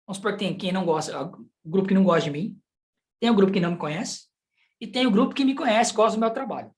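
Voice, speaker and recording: A man with a Brazilian Portuguese accent and a voice that sits high teaches a sign language class in a live online session. His style is conversational, and he often checks in with students through rhetorical questions.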